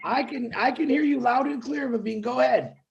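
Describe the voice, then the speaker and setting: Guy hosting a zoom panel, high voice, keeps calling on people. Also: brisk, creaky, highs cut off. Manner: warm, encouraging, calls on speakers. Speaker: host. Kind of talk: moderating an online panel. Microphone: video call.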